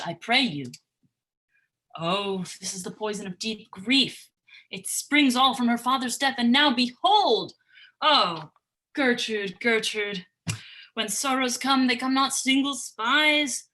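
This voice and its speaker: A woman's voice: on the high side, pushed and bright, poor audio. A woman playing an anxious, grieving Danish king, declaiming verse in an amateur Shakespeare reading over livestream. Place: remote livestream from separate location.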